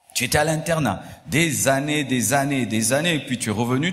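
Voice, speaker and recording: A man's voice in audible room echo, with noticeable background noise. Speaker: pastor. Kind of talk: sermon. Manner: animated.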